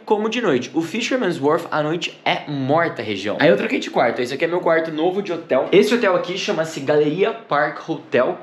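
Filming at arm's length, a slightly high-voiced travel vlogger in his thirties tours his hotel room before strolling along the waterfront. He talks casually and animatedly to the camera, pointing out sights as he goes.

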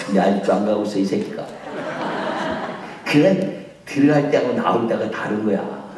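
A man preaching at a revival meeting as pastor, acting out conversations and breaking into shouts. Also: lowish voice, normal speed, noisy background. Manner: animated, shouts and acts out dialogue. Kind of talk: revival sermon. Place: large church revival meeting. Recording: echoey hall, mic from far off.

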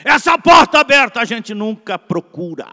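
Older brazilian preacher man, bright ringing voice, shouting then going quiet, big reverby church. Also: extremely high pitch, very animated, normal speed. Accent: Brazilian Portuguese. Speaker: pastor. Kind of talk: Pentecostal sermon. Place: large church sanctuary at a pulpit. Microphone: pulpit microphone. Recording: long reverb of a large church.

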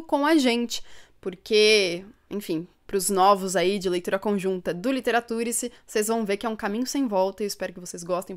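An upbeat young book channel host from São Paulo state, Brazil, live-streams from a home room with bookshelves, speaking into a desk microphone in front of her. Her voice is smooth, mid-range and a bit bright; she is chatty, laughs often and reads viewer comments aloud.

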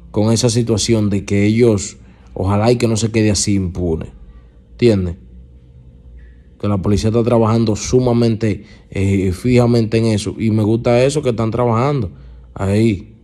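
A man with a Dominican accent hosting a YouTube channel, giving casual urban gossip news in colloquial street slang, halting and repeating himself. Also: lowish voice, warm tone.

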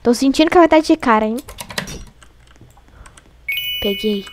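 Excitable high-voiced Brazilian woman gaming. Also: unhurried, slight background noise. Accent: Brazilian Portuguese. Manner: excitable, frightened exclamations and chatty asides to viewers. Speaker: gaming channel host. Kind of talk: casual let's-play commentary.

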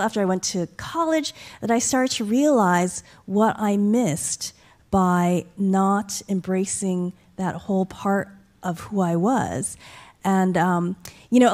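A middle-aged woman from upstate New York, an author speaking earnestly in an onstage conversation into a stand microphone. She talks reflectively and gets animated when she quotes other people. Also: medium pitch. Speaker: author guest. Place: stage with curtain backdrop, library event. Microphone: mic on a stand.

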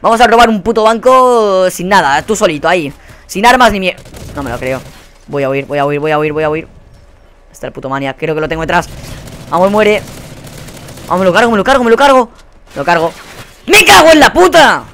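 A young Spanish gamer narrates his match live, his voice sitting a touch high. He swears constantly and flips from grumbling to sudden yells of frustration. Soft game gunfire hums underneath. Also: animated, fairly quick, long pauses, a little hiss or hum. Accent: Spain Spanish. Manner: profane, exasperated ranting with sudden yelled outbursts. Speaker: gaming channel host. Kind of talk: live gameplay commentary.

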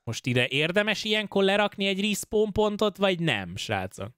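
A Hungarian man casually commenting on his own gameplay, excitable and prone to swearing and yelping at in-game scares. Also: high voice, clear, resonant tone, no room sound. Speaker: gaming streamer. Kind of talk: casual let's-play commentary.

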